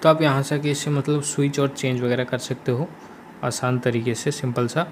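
A man's voice: mid-range voice, flat delivery, normal speed. A man with an Indian accent explaining steps in a casual gaming screen tutorial, repeating his instructions as he goes. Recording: faint background noise.

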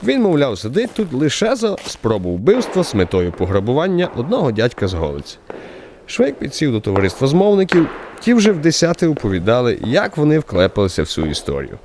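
A man narrating a radio play in an expressive, theatrical storytelling style, shaping scripted literary prose phrase by phrase. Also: mid-range voice, a little fast, background noise.

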